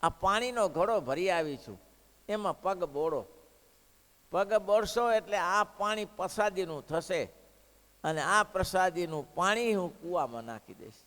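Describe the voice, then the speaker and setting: A man's voice: high-pitched, animated, a little slow, fairly bright tone. A man voicing a devout old village woman who pleads earnestly with a holy guest, in an echoey hall. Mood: pleading.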